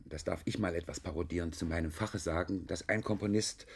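An earnest musicologist holds forth haltingly in a radio play. The voice is lowish and rough, with a scholarly manner. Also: male voice, steady tone. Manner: halting, professorial. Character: hesitant, earnest male musicologist, scholarly expert.

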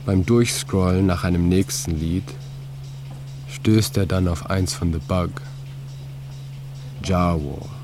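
A man reading his own literary prose in a calm, measured, reflective way. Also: low-pitched, over music. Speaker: author and narrator. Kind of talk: scripted literary narration.

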